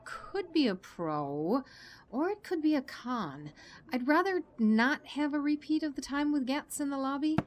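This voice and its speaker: An actress playing a friendly, expressive woman doctor in an audio drama. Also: sits high, unhurried, a little hiss or hum. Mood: pondering. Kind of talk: full-cast audio drama acting.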